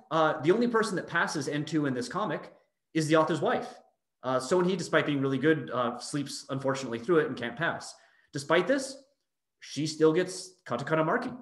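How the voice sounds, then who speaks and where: A man giving an explanatory academic lecture over a video call, posing rhetorical questions as he goes. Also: a little high. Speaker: university lecturer. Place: indoor room on a video call. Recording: roomy, echoey video-call audio.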